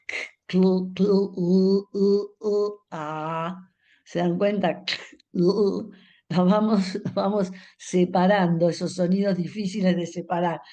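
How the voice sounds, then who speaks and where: An older woman, lecturing a room of teachers. Her voice sits low and mellow, and she explains step by step. She fills her pauses often and slowly draws out individual speech sounds. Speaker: reading education specialist speaking to teachers.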